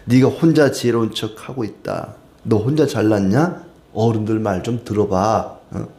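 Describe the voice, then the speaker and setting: A stern elderly man, as a preacher puts him on, lectures a younger friend through one rhetorical question after another. The voice is low and mellow, and it carries a roomy echo. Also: moderate pace, close to an everyday voice. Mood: scolding.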